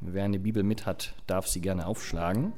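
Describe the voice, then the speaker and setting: A man's voice: low voice, fairly even intonation, moderate pace, warm tone, slight background noise. A man preaching, reading scripture and chatting casually with the congregation with fillers and asides. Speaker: pastor. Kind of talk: sermon with Bible reading.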